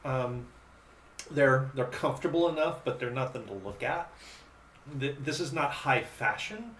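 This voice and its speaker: A man playing a tabletop roleplaying game, describing the scene in a rambling, halting way. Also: mid-range voice, expressive, fairly bright tone. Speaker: player. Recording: roomy distant mic with faint hiss.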